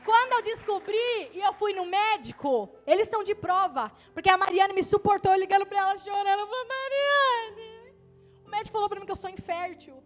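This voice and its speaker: A young adult woman, pregnant, preaching in a church, moving from hushed storytelling to loud fervent preaching. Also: very high-pitched, fast talker, few pauses, faint music behind. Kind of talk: testimony sermon.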